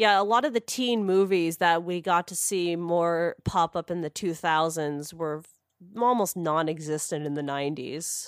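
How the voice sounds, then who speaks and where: A woman speaks in an animated tone at a moderate pace, her pitch fairly low for a woman with ordinary variation. The recording is very clean, with a silent background. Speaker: podcast host. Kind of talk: casual chat. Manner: animated, joking.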